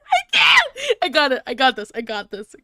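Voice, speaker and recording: A woman's voice: sits high, huge pitch swings, normal speed, bright, forceful tone, dry recording, shouting, clean studio sound. A woman streamer reading fan fiction aloud and chatting casually, in a giggly, easily flustered manner. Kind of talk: live fanfiction reading with casual chat.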